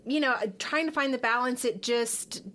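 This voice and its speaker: A woman's voice: a little high, normal speed, pushed and bright. A middle-aged woman from Texas, a podcast guest talking casually and openly, with lots of fillers. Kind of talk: casual interview chat.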